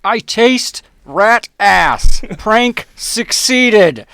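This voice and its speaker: A man's voice: high voice, expressive, drawn-out words, gravelly, bright, forceful tone, clear, resonant tone, no room sound. A man playing a tabletop game, throwing in casual joking side comments.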